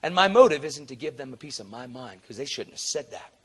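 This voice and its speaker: A man preaching a sermon through a story, acting out the people he quotes with sudden loud high jumps and dropping to a soft, earnest low tone. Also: brisk, a little hiss or hum. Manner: animated, acts out quotes with big jumps in pitch and volume; drops to a low, soft, earnest tone for tender moments.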